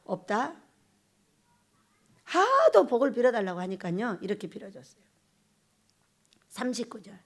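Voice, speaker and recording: High-voiced woman pastor preaching emphatically. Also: sing-song, measured pace, long pauses. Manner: emphatic preaching, repeats lines, acts out quotes. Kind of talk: sermon.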